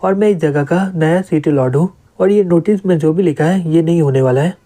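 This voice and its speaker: A man voicing a calm young male city lord in a plainly read comic recap. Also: fairly high pitch, a little fast, lightly acted.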